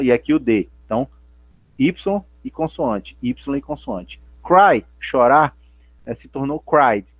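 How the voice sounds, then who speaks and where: A man teaches a class remotely, explaining patiently and going over each point again. His voice is slightly husky and sits in the middle range, recorded close and dry with no room echo. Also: mid-range voice. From Brazil. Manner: patient, repeats and spells out points, asks and answers himself. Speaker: English teacher.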